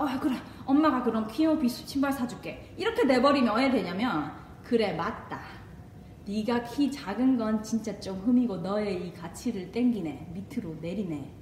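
A middle-aged doctor from Korea's Gyeongsang region, who hosts a parenting channel, gives viewers casual advice in a Gyeongsang accent. Chatty and lively with a somewhat high voice, she laughs a lot and slips into English phrases. The room is echoey, the mic sits far off, and a faint rumble runs underneath.

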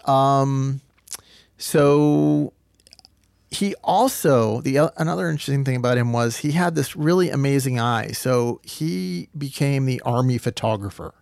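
A man's voice: medium pitch, lively intonation, a little slow, gravelly, a little mellow, dry recording, clean studio sound. A middle-aged man from the Boston area, a guest speaking casually in an easygoing, rambling way with restarts. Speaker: guest, former studio engineer. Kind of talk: casual interview chat.

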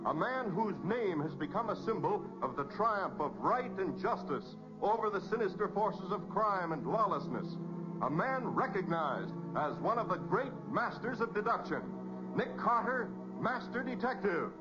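A man's voice: sits high, animated, normal speed, over music. An American man announcing and narrating in scripted 1940s radio style, dramatic and emphatic. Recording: muffled 1940s radio recording.

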